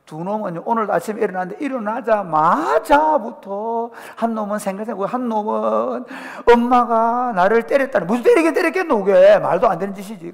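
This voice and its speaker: A middle-aged man with a Gyeongsang Korean accent preaches in a church hall, telling stories with humor and acting out people's voices. His voice sits high and moves a lot in pitch. Long reverb from the sanctuary trails behind every phrase. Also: creaky. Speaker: pastor. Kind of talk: lively sermon.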